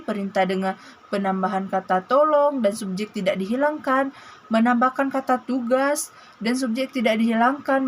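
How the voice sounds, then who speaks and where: Young woman, student presenter, reads a lesson aloud with stumbles and restarts, slightly high voice. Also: a little hiss or hum. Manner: reads with frequent restarts and broken-off words; lists items one by one. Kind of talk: reading a grammar lesson aloud.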